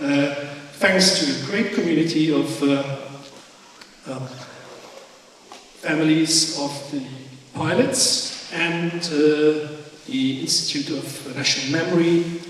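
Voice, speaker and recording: Halting man in a very echoey hall. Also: on the high side. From non-English, non-Polish-speaking country, Polish family. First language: not English. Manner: halting, hesitant delivery. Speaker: architect, guest speaker. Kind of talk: presentation with slides. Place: large echoing hall, event audience. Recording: echoey hall, distant mic, faint noise.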